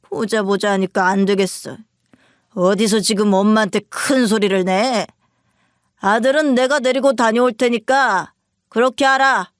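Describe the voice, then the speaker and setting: A woman's voice: a little high, steady tone, measured pace, no echo, studio quality, natural voice. A woman voicing an arrogant, dismissive husband who talks down curtly and contemptuously. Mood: cold contempt. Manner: curt and contemptuous.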